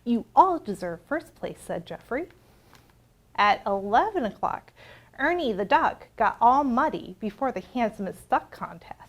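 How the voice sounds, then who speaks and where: A woman librarian leading an interactive storytime for young children, expressive and asking simple questions. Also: a little high, a little slow.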